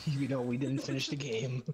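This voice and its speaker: A woman friend playing with the streamer on a voice call, making excited team callouts and teasing. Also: very deep voice, normal speed, a little hiss or hum. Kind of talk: casual gaming chat over voice call.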